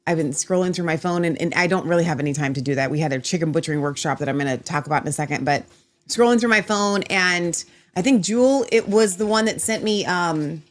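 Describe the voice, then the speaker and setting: A woman in a lower register hosts her online show from home. She talks in a chatty, rambling way and often restarts her sentences. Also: fast talker. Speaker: host. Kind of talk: casual online show chat.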